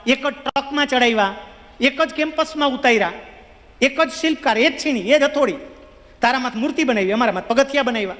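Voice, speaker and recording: A man's voice: very high voice, fairly bright tone. Self-pitying stone steps, as a man tells it. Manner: complaining, lamenting. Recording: long hall reverb.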